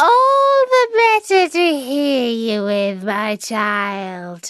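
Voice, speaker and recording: This is a put-on character voice that sounds female and sits high in pitch. It moves at a very slow pace. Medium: read story. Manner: sly, deceptive.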